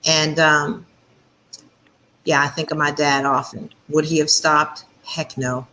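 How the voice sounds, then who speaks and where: A woman's voice: low voice, level tone, takes it slowly, pushed and bright, slight background noise, poor audio. A woman guest speaking emphatically in a motivational tone on a podcast. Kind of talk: casual interview.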